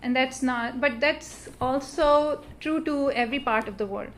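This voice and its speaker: A woman's voice: high voice, measured pace, slight background noise. A middle-aged woman from Pakistan, a native Urdu speaker with a Pakistani accent, speaking earnestly on a symposium panel with many fillers and restarts. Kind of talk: panel talk at an interfaith symposium. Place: church hall.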